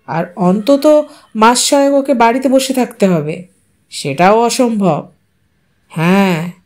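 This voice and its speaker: A woman voicing a young city husband who lowers her voice to patiently and defensively explain himself to his mother on the phone. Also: exaggerated voice.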